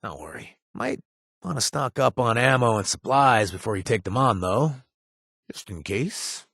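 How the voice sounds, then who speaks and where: An actor playing a gruff but awkward, loyal wasteland bartender in a video game, with a husky voice and a halting, casual delivery. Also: male voice, mid-range voice, lively intonation, a bit bright, no echo, studio quality. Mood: businesslike. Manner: halting, stammering, casual and self-deprecating. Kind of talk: naturalistic video game dialogue.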